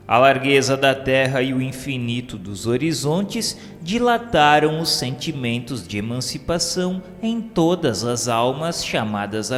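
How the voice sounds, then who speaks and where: Slow, solemn man narrating. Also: medium pitch. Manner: slow, solemn, measured reading. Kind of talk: scripted spiritist audiobook narration. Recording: long reverb with faint music bed.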